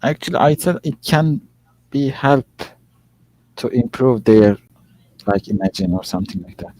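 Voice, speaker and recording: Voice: mid-range voice, expressive, normal speed, darkish tone, rough recording. A student in an online IELTS lesson giving short, hesitant answers in non-native English.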